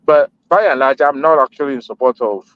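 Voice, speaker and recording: A man's voice: medium pitch, no room sound. Man on a lo-fi group voice chat. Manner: measured, argumentative, many hesitation fillers. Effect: heard over a group voice chat connection. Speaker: panel discussant. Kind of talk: debate on a group call. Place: at home in Texas. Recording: dull lo-fi online call audio.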